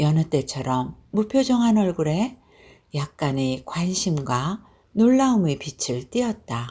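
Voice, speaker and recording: A woman with a very deep, low pitch and a somewhat breathy voice speaks at a very slow pace, making very wide pitch swings. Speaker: audiobook reader. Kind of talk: audiobook reading of short stories. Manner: bright, lively.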